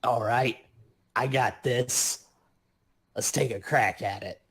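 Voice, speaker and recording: A man's voice: medium pitch, steady tone, slow pace, breathy edge. A man chatting casually and jokingly as a player in a live online tabletop game.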